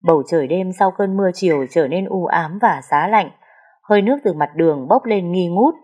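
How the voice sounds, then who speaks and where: A woman's voice: on the low side, a little fast, darkish tone, husky. A woman narrating a sad first-person story in an emotional, lyrical way.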